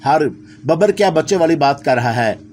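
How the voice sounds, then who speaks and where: A man's voice: fairly high pitch, animated, normal speed, a little mellow, a little hiss or hum, natural voice. A man voicing a mischievous male jinn who teases and coaxes in a sly, playful way. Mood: teasing.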